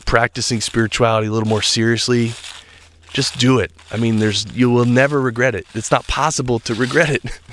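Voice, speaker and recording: A man's voice: medium pitch, a bit bright, slight background noise. A man hosting a spiritual podcast, talking earnestly and reflectively while walking outdoors, a little stuffed up and nasal. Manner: earnest, reflective, loose talk with restarts. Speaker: podcast host. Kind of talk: solo spiritual podcast monologue. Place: walking outdoors in a state park.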